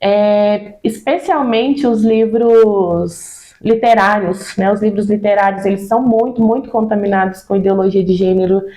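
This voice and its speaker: A woman's voice: mid-range voice, steady tone, moderate pace, mellow. A Brazilian woman speaking about children's ministry in an earnest, insistent way, often adding "né". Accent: Brazilian Portuguese. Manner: earnest, repeats words and tags with "né". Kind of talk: casual interview conversation.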